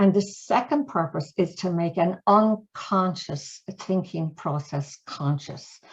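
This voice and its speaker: A woman with an Irish accent speaks with lively intonation and a somewhat breathy voice, hardly pausing, against a quiet background. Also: medium pitch for a woman. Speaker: mediation trainer. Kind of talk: webinar presentation. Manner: fast; halting.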